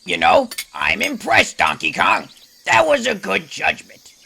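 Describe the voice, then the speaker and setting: Crotchety old male ape, very gravelly, high sharp voice, stern scolding mentor, audio drama. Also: wildly swooping pitch, measured pace, a little hiss or hum, exaggerated voice. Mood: grudging, teasing. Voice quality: creaky, gravelly. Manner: lecturing, dismissive.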